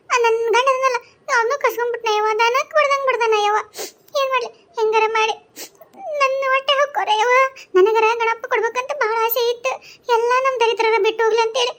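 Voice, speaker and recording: A woman's voice: very high voice, a little mellow. A woman voicing a poor, tearful village wife of a drunkard in a cartoon, with a North Karnataka Kannada accent and a pleading manner. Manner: pleading, tearful, repeats "yavva". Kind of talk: cartoon voice acting.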